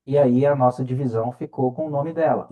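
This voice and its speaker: Here a brisk man with a medium pitch and dark tone is talking. He is a middle-aged researcher from Minas Gerais in Brazil, a guest in an interview who explains by way of anecdotes and keeps adding check-in tags, in a conversational storytelling manner.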